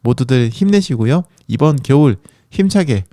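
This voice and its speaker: A man's voice: medium pitch, animated, normal speed, warm tone, no echo, clean studio sound. A man hosting a running podcast in a chatty, encouraging monologue, with a sore throat from a coming cold. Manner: encouraging, chatty, many fillers.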